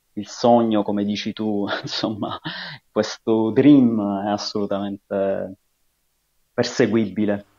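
Against a quiet background, a man speaks very slowly in a dark, mellow tone. His fairly low pitch stays monotone and flat. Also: long, frequent pauses. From Sicily, Palermo; Sicily. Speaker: musician; guest. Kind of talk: interview. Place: home room. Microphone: earbuds.

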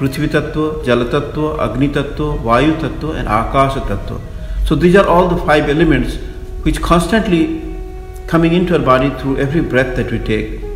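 A man is talking in a room with audible echo and a light layer of background noise. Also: fairly quick pace. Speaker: yoga or wellness teacher. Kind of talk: teaching talk with a story. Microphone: phone near.

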